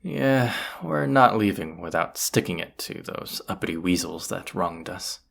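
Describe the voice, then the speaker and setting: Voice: low-pitched, animated, measured pace, gravelly, full character voice. A performer playing a roguish bandit leader in a fantasy audio roleplay, grumbling yet confident, with folksy, sardonic muttering to the listener. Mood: determined, scheming.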